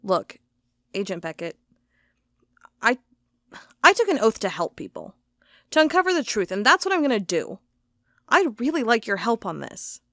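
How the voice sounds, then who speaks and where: A woman's voice: fairly high pitch, big pitch swings, moderate pace, long pauses, a bit bright, no room sound, clean studio sound. A woman playing a stubborn, sarcastic investigator of cold cases in an audio drama, with a wry, defiant manner. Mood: earnest, wry. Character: stubborn, sarcastic female cold-case investigator hunting monsters.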